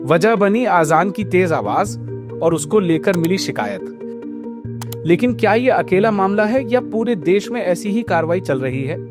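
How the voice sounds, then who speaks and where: High-pitched male news reporter. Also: very animated, measured pace. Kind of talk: scripted news report narration. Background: background music.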